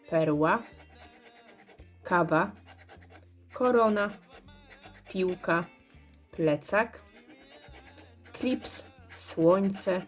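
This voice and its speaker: Slow, hoarse woman scratching cards. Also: lowish voice. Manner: slow, murmured checking of symbols. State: hoarse, clearing throat. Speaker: scratch card vlogger. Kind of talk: casual commentary while scratching cards.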